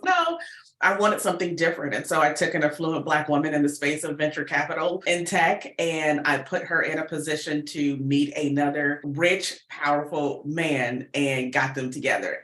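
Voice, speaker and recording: An American woman giving talkative, informal interview answers in an animated storytelling way. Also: deep voice. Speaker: guest, podcast producer and relationship coach. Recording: roomy, echoey sound.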